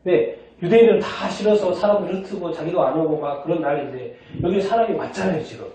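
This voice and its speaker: Korean pastor preaching in an echoey hall. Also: male voice, sits high, fast talker, mellow. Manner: asks the congregation questions and answers them himself. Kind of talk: sermon. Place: church sanctuary. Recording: distant, echoey, dull church recording.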